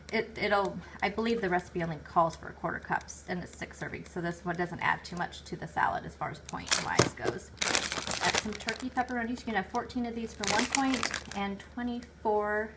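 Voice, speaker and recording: At home at the kitchen table, a woman in her forties shows off her groceries, listing items with their points in a chatty way and fixing her own slips. Her pitch is medium, background noise is present, and bags crinkle loudly near the microphone.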